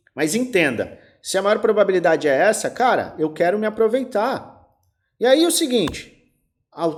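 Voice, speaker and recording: Recorded very cleanly with a silent background, a man speaks with a Brazilian accent. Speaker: crypto investment youtuber. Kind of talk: market analysis tutorial. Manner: slow, detailed explanation.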